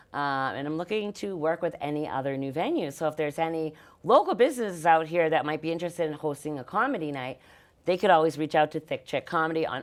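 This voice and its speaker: On a very clean recording with a silent background, a woman speaks very fast at a fairly low pitch with a Massachusetts accent. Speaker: stand-up comedian. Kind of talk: interview.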